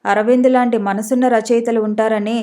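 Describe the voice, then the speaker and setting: A kind, pious older aunt calmly reassures in a storybook reading, voiced by a woman narrator. The voice is slightly high and flat in melody, with a steady, comforting delivery. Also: a little fast, lightly acted. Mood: reassuring.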